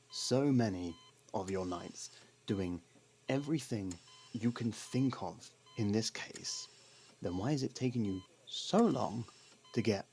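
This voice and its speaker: A man acting a sarcastic, scolding criminal partner who hides his worry, in an ASMR roleplay with halting pauses. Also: on the low side, vocal fry, darkish tone, slight background noise. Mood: skeptical, reluctant. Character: gruff, sarcastic criminal partner, secretly worried.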